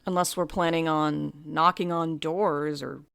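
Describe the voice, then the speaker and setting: A woman's voice: low-pitched, steady tone, measured pace, gravelly, a bit bright, smooth, dry recording, exaggerated voice. A woman playing a blunt, determined mail courier with dry wit in an audio drama. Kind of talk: naturalistic audio drama acting.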